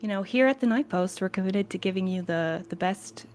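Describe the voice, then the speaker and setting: A woman's voice: medium pitch, brisk, a little mellow. A woman talking casually as a co-host on a podcast.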